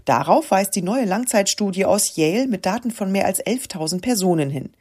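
A woman reading a news report as scripted narration, in a measured way. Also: mid-range voice, expressive, darkish tone, breathy edge.

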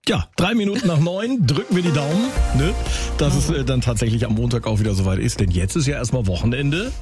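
A man's voice: medium pitch, expressive, fast talker, over music. A man hosting a morning radio show, chatting loosely with small laughs and reading the traffic report.

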